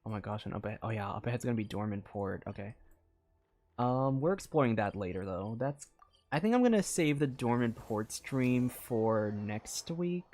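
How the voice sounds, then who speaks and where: Over video game music, this streamer talks in a medium-pitched, darkish voice. He rambles casually on his live stream, distracted and thinking out loud.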